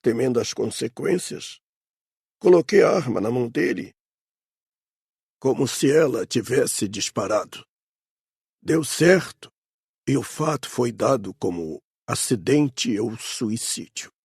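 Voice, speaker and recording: Guy doing an old brazilian hunter ghost for an audiobook, remorseful, creaky raspy voice, takes his time confessing. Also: mid-range voice, animated, slow pace, pauses often, a little mellow, dry recording, clean studio sound, full character voice. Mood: grave, confessing. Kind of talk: dramatised audiobook narration.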